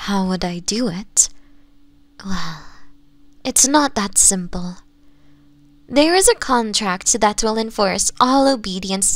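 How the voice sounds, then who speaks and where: A woman voicing a doting, possessive fox-woman mistress in an intimate ASMR roleplay, softly coaxing and often slipping into whispers. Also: medium pitch, dry recording. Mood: tender, coaxing, then persuasive, gently teasing. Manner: soft, breathy, coaxing, often dropping into whispers.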